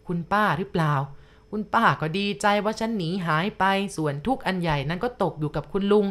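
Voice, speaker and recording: A woman telling a first-person ghost story at a slow, confiding pace, speaking straight to the listener. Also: on the low side.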